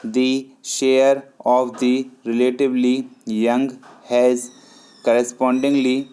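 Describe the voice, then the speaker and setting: A man with an Indian accent reading a shorthand dictation in deliberate short phrases, speaking the punctuation aloud. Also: medium pitch, little pitch movement, mellow, slight background noise, poor audio. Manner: measured, deliberate, phrase-by-phrase delivery with pauses.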